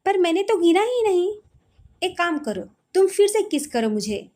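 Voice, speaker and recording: A woman's voice: very high voice, very animated, normal speed, a little mellow, voice pushed up. A woman voicing a smitten young husband in a coaxing, playful tone.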